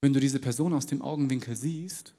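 A man's voice: medium pitch, brisk, mellow, long reverb tail. A man preaching a sermon in a large church, talking straight to his listeners and acting out small everyday dialogues. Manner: conversational, addresses listeners directly, acts out little dialogues.

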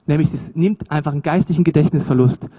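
A man preaching a sermon in an animated, emphatic, colloquial way, with swings between loud emphasis and hushed asides. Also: a little high, fast talker, slightly rough.

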